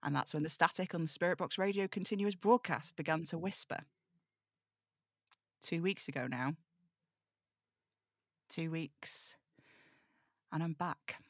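A woman's voice: low-pitched, unhurried, long pauses, dry recording, clean studio sound. Woman acting a wry, brooding radio host. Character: snarky, weary supernatural radio host, woman, embodiment of death. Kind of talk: audio drama table read.

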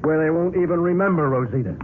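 A man acting a skeptical 1940s radio police sergeant with a fairly high voice. He is blunt, grumbling and slangy. The old recording is narrow and slightly hissy. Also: fast, lightly acted. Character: gruff, skeptical, wisecracking male police sergeant.

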